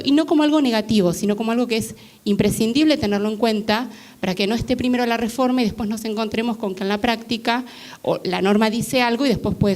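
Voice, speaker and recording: A woman's voice: mid-range voice, a little mellow. A woman giving a comment from the audience at a law panel, hesitant and full of filler sounds. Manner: hesitant, many filler "eh"s and restarts. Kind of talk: public Q&A comment. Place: university lecture hall.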